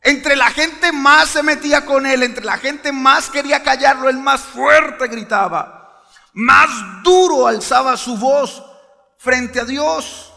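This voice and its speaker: Male pastor, emphatic sermon, high gravelly voice, church hall reverb. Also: slow, pushed and bright. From Colombia. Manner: emphatic preaching, calls for amens. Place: church sanctuary.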